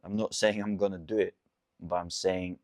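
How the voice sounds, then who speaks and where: A man's voice: low-pitched, steady tone, moderate pace, a little mellow, dry recording, studio quality. A man in his twenties, a coach, giving an earnest, repetitive motivational talk. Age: 20s. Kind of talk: motivational monologue.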